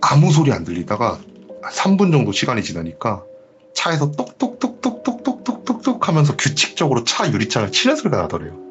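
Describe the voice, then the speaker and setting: A man hosting a horror story show, retelling a viewer's ghost story in a lively way and acting out the quoted lines. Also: mid-range voice, fairly quick, lo-fi sound, faint music behind. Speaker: horror story radio host.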